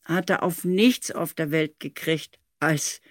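An older woman recalling studio work in an animated, anecdotal way, with emphatic stress on key words. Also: sits low, slow, no echo. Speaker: audio drama director recalling studio work.

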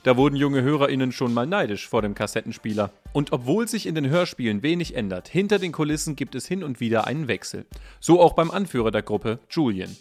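A man reading a scripted podcast introduction in a measured presenter's manner. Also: mid-range voice, lively intonation. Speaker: narrator of an introduction segment. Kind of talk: scripted narration. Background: soft music.

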